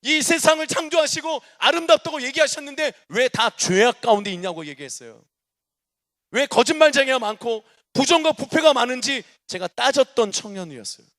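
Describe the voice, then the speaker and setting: High bright-voiced Korean preacher. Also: male voice. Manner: animated testimony, shifting between loud declarations and soft asides. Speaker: guest preacher. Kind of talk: sermon. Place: church sanctuary.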